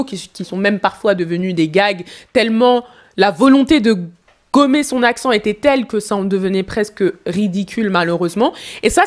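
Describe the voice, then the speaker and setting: A woman public speaking coach commenting on a televised interview, giving advice straight to the viewer. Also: medium pitch. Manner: advising, direct to viewer. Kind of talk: speech analysis commentary.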